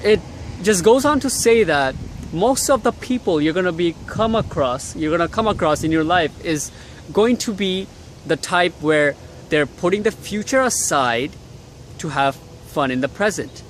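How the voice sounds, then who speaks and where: A young man from Bangladesh records a casual motivational vlog outdoors in the cold city air. He talks bluntly and swears freely, with a slightly higher voice than most men. Faint traffic hums behind him. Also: lively intonation, normal speed. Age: young adult. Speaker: vlogger.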